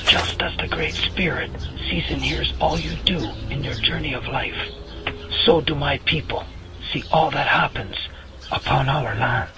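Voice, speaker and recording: An actor playing a solemn Native American man, a spiritual guardian who speaks in formal, measured phrases in an audio drama. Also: medium pitch, very noisy, close to an everyday voice. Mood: solemn warning.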